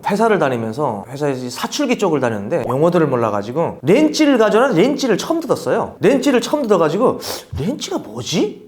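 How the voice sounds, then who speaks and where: A middle-aged man from North Korea speaks quickly in a casual interview. His pitch rises and falls a great deal, and he often breaks into laughter as he tells his stories. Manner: animated, laughs while telling anecdotes. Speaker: interview guest.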